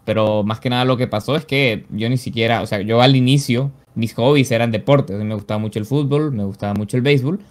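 A 25-year-old Venezuelan man, an esports caster and pro player, speaks fast in a mid-range voice with hardly any pauses, using a headset on a video call from his small home streaming room. As an easygoing interview guest with a Venezuelan Spanish accent, he tells stories in a relaxed way, often filling in with "básicamente" and "o sea."

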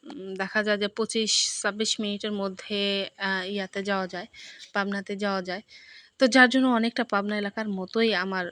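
A woman's voice: medium pitch, steady tone, fairly quick, long pauses, fairly bright tone, no echo. Chatty rural Bangladeshi woman, dry sound. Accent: Sirajganj Bengali. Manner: chatty, rambling storytelling with fillers. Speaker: village vlogger. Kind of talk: casual voice-over vlog.

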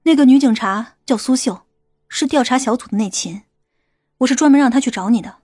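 An actress playing a stern, haughty policewoman in an audiobook, sharp, commanding and husky. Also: sits high, a little fast, dry recording, clean studio sound. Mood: terse, controlled. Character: stern, haughty police team leader woman, easily angered.

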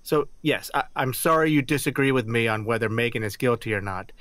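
An actor playing an earnest, hapless father and policeman in an audio drama, speaking in a halting, sincere way. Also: medium pitch, a bit bright, no echo, natural voice. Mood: earnest, resolute.

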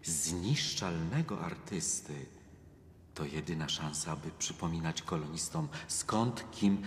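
An actor in a radio drama playing a wise, eloquent monk who counsels with measured, fervent rhetoric. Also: male voice, low-pitched, lively intonation, slight background noise. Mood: consoling, earnest. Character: wise, philosophical male monk, fervent and consoling mentor. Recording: echoey hall reverb with music behind.

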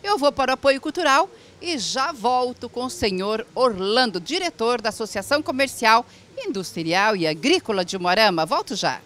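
A woman's voice: on the high side, animated, moderate pace, hardly any pauses. A middle-aged woman, hosting a variety show, chatty and affirming while interviewing at an indoor event stand on a handheld mic.

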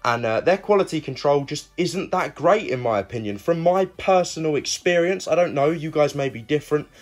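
Here the young host's voice sits fairly high, and he sounds animated and brisk. He chats casually through a product review, addressing his viewers directly as guys.

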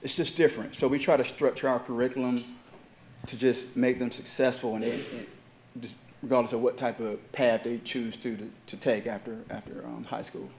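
Earnest man with halting speech. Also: mid-range voice, flat delivery, slight background noise. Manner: earnest, halting, many fillers and restarts. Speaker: honored alumnus, charter school educator. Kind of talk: onstage interview. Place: university event hall with audience. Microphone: handheld mic.

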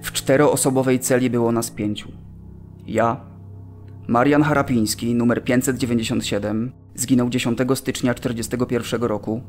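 An actor playing a solemn camp survivor, remembering in a deliberate, reflective radio drama monologue. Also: male voice, mid-range voice, fairly even intonation, darkish tone, soft background music, close to an everyday voice.

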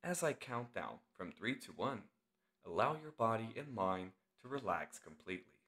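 A man leading a guided meditation as the instructor, speaking in short, deliberate phrases with long pauses. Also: on the low side, very animated, a bit bright.

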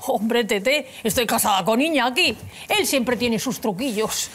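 A scheming royal sister whines and gossips to her brother. Her voice is high and pleading. Some noise from the set sits behind her. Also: lively intonation, measured pace. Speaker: satirical sketch actress. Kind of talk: sketch comedy acting.

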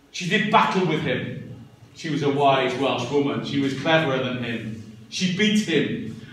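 Echoey, distant man giving an animated talk. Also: a little high. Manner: animated, theatrical, emphatic repetition. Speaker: storyteller and speaker training language teachers. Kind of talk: live conference talk with storytelling. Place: medium-sized classroom, indoors. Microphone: distant camera microphone. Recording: echoey room, far microphone, background noise.

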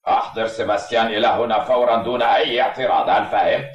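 Village commissioner acted by a man, middle-aged, stern, commanding, fast, cartoon dub, distant echoey sound. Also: fairly low pitch, steady tone, dull audio, lightly acted. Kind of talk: dubbed cartoon acting.

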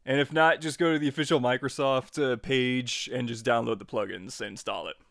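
A man narrating a casual software tutorial as its host, in an informal, jokey and playfully emphatic way. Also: medium pitch, fairly even intonation, a little fast, gravelly, dry recording, clean studio sound. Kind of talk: casual tutorial narration over screen recording.

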